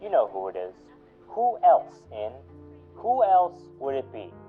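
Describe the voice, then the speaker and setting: Through thin, phone-like sound with faint music, a man plays an embittered police boss in a radio play. He is gruff, in a middling male register. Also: medium pitch, huge pitch swings, measured pace. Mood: angry accusing. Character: gruff, embittered police officer newly in charge, Smith. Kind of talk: amateur radio drama acting.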